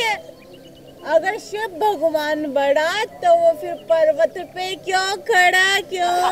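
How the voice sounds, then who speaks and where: A woman at a very slow pace over light background noise. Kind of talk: acted comedy dialogue. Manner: tipsy, slurred, swaying comic drunk talk. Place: waterside.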